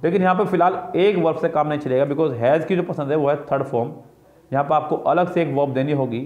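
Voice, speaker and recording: A man's voice: fairly high pitch, fairly quick, darkish tone. A man teaching an exam-prep grammar lesson, explaining each answer step by step and repeating his own questions and answers. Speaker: English teacher. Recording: roomy, dull lo-fi sound.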